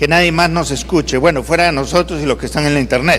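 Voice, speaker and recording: A man is speaking. Noticeable noise sits in the background. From Peru. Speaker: itinerant pastor and preacher. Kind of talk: sermon. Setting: church.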